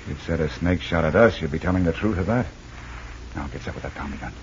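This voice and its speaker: An actor playing a commanding male jungle adventurer who leads a raid, giving brisk, clipped orders in 1940s radio style. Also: rumbling low. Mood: urgent. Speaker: squad leader. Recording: dull, hissy old radio recording.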